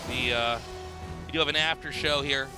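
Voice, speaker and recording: A man's voice: mid-range voice, steady tone, normal speed, over loud music. A man casting an esports match, mixing play-by-play with joking banter. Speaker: esports caster. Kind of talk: play-by-play commentary.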